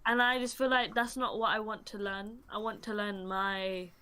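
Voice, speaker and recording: A woman's voice: medium pitch, level tone, normal speed, sharp tone. Chatty woman, faint room hum behind. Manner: chatty, laughs easily, self-conscious. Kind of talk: casual chat.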